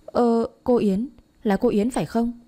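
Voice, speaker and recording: A woman's voice: a little high, fairly even intonation, a little slow, dark tone, voice pushed up, natural voice. A woman voicing a spirited, feisty teenage girl. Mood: alarmed.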